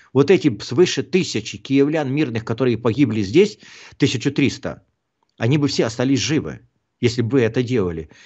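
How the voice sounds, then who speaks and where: This man speaks at a moderate pace with lively intonation and some vocal fry. The background is quiet. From Ukraine. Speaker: political commentator. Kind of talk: political commentary monologue. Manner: animated. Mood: indignant, critical. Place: home room. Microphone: video call.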